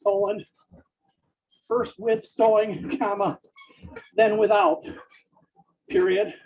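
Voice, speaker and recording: This person dictates prose in choppy, halting bursts, voicing each punctuation mark. Their husky, gravelly voice sits at a medium pitch, sounds a little mellow and barely moves in pitch, and the audio is dull.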